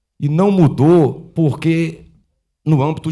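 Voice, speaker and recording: A man is speaking. His tone is dark and mellow. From Minas Gerais, Brazil (Viçosa). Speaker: legislative consultant. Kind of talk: conference talk. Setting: panel with live audience.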